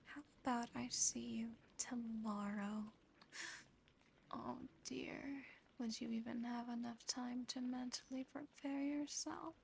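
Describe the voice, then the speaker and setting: A woman voicing an affectionate, possessive female demon in a soothing, intimate, softly teasing whisper for an ASMR roleplay. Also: fairly high pitch, fairly even intonation, slow pace, rough recording. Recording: close whisper over clear background noise.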